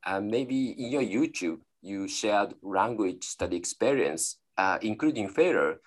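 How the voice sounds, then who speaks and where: A man hosting an interview, asking questions hesitantly with many fillers and quiet "mm-hmm"s. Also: fairly low pitch, expressive, a little slow. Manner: hesitant, frequent backchannel "mm-hmm". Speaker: interview host.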